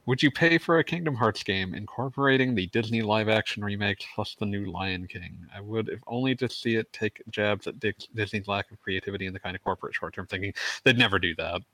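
A man's voice: fairly low pitch, brisk, few pauses, sharp tone, dry recording, poor audio. A man co-hosting a casual gaming podcast, rambling and stumbling over his words, often breaking into laughs. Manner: rambling, stammers on restarts, laughs mid-sentence. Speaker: podcast co-host.

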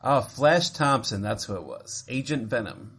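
A man hosting a podcast, chatting casually and teasing his co-host in a jokey, animated way. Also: mid-range voice, moderate pace. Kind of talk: casual chat.

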